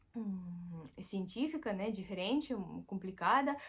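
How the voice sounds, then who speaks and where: A somewhat breathy woman with a Russian accent at a medium pitch and fairly slow pace. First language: Russian (speaking Portuguese). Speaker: YouTuber. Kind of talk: casual vlog. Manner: halting, many fillers.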